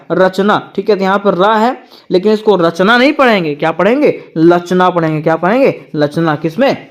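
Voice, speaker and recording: This exam-prep lecturer has a medium-pitched voice and reads from prepared notes. The teacher keeps rephrasing each idea simply and turning it into a question for the audience before supplying the answer.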